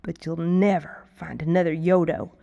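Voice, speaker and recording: A woman's voice: deep voice, fairly even intonation, normal speed, gravelly, mellow, highs cut off, pitched below the performer's own voice. A woman voicing an old blind man who hands over a treasure with solemn, storytelling words.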